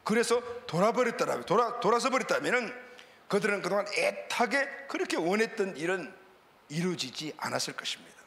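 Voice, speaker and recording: High-pitched, lively male preacher. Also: a little fast. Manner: animated preaching with call-and-response amens. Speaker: pastor. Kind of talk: sermon. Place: church sanctuary. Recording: reverberant church hall.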